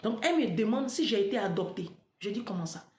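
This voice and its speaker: A woman's voice: fairly high pitch, lively intonation, quick pace, darkish tone. A woman in her forties from Africa, talking emphatically to her followers and repeating herself to make her points. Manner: emphatic, repetitive, rhetorical asides. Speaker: social media commentator. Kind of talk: casual monologue to followers. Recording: roomy echo.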